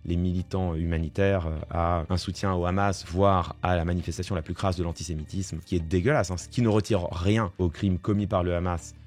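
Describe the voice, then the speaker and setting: A man's voice: deep voice, steady tone, a little fast, few pauses, darkish tone, faint music behind. A man commenting live on the news, reading reports aloud and then adding indignant remarks with many fillers. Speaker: political commentator.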